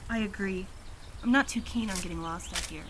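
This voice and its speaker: A woman acting as a cautious researcher type in an audio drama. She speaks precisely and dryly, at a middling female pitch. Distinct background ambience is heard behind her. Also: a little fast, noisy background, lightly acted. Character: cautious, bookish, matter-of-fact young woman.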